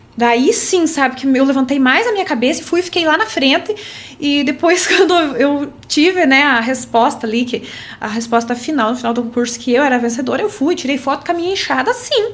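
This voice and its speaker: A woman's high voice with lively intonation at a fairly quick pace, amid noticeable background noise. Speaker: farmer and beauty pageant winner. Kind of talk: interview.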